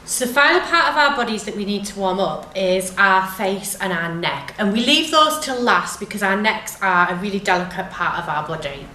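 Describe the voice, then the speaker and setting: A woman drama teacher guiding a physical warm-up step by step, with simple, repeated, encouraging instructions. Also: mid-range voice, animated, moderate pace, few pauses, a little hiss or hum. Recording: echoey room, distant microphone.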